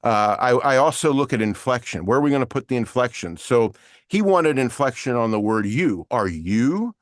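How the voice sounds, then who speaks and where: A man's voice: medium pitch, animated, brisk, no echo, clean studio sound. A man teaching an online voiceover lesson with screen share, explaining in a casual way with many fillers. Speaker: voiceover coach.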